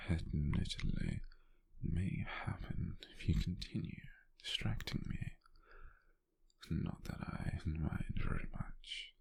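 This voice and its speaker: A British man playing a gentle, doting, softly teasing lover in an intimate, breathy, gravelly ASMR whisper, speaking slowly and soothingly. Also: extremely low pitch, heavily acted. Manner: slow, soothing, with soft pauses.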